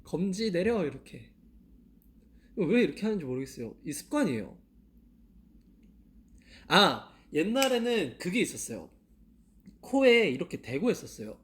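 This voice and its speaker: A man's voice: fairly high pitch, sing-song, moderate pace, pauses often, a bit bright, a little hiss or hum. Young guy rambling on a live stream, bouncy voice that jumps all over, laughs a lot. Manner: chatty, self-questioning, laughs often. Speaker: idol live-stream host. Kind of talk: casual live-stream chat. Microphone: handheld mic.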